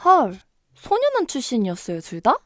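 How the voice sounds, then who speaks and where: A woman's voice: high-pitched, huge pitch swings, moderate pace, fairly bright tone, no echo, clean studio sound, exaggerated voice. A woman playing a candid, naive, easily riled young female student in a radio drama. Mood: shocked, indignant.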